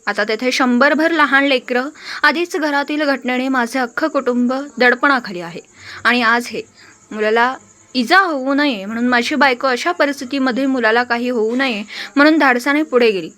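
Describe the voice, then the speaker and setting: A woman's voice: sits high, normal speed, bright, forceful tone. A woman news reader earnestly reading out a resident's indignant complaint as a regional news report.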